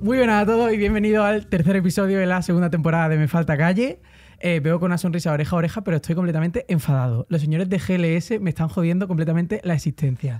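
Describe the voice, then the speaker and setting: At a very fast pace, a high-pitched man speaks in an animated tone with ordinary pitch variation. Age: 20s. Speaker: podcast host. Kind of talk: casual chat. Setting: studio.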